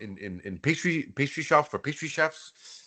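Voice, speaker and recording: A man with a French-Canadian accent and lively intonation. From Quebec, Montreal. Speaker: chef. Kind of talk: interview.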